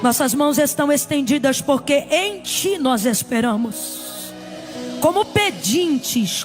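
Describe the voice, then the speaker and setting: A woman pastor, leading a fervent sermon and prayer before a congregation, repeating pleas and at times shouting. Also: high voice. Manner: impassioned, repetitive pleading prayer, sometimes shouting. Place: church service before a congregation.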